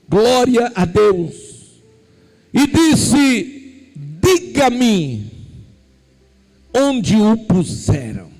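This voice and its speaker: A male pastor delivers a sermon, his fairly high voice leaping widely between hushed asides and shouted lines. He unhurriedly tells the story, letting each phrase land. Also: rough recording. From Brazil. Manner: animated storytelling preaching, swinging from quiet asides to shouted emphasis.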